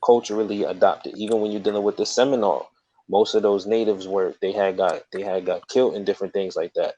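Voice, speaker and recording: A man with a fairly deep voice argues in an informal debate. He is insistent and tends to repeat his phrases as he pushes his point. The recording is a little dull and lo-fi. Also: fairly even intonation, fast talker, dark tone. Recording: dull, lo-fi audio.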